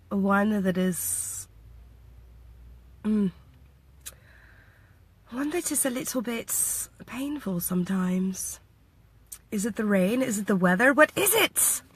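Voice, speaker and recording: A woman's voice: mid-range voice, no room sound. Playful, chatty woman vlogger. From United States. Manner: chatty and playful, laughs often, quotes others in lively voices. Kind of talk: casual vlog chat. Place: Washington State.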